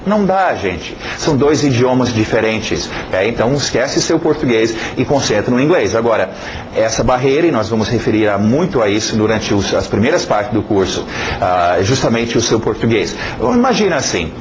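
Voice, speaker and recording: A man's voice: medium pitch, sing-song, normal speed, a little hiss or hum, poor audio. Chatty male teacher saying "ok?". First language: English. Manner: chatty, repeats "ok?" often, many fillers. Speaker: English teacher. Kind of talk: casual course introduction.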